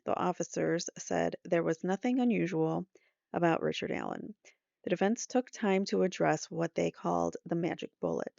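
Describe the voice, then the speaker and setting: A middle-aged woman with a noticeably creaky, mid-pitched voice gives a recap of a trial, reading updates aloud and breaking off for casual asides. The sound is dry and close, if a little dull. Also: a little mellow, no echo.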